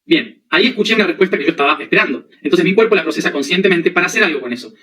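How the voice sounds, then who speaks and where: Male spiritual teacher, fairly high voice, a little distant from the mic, lecture delivery with check-in questions. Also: lively intonation, rapid-fire, sharp tone, slight background noise. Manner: explains with everyday examples and frequent checking questions.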